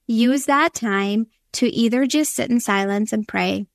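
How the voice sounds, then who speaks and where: A young woman with a Minnesota accent speaks as a podcast guest in a fairly high voice. She gives earnest, encouraging advice, and the sound is dry and close. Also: unhurried, gravelly, dry recording. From Latvia. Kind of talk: conversational interview.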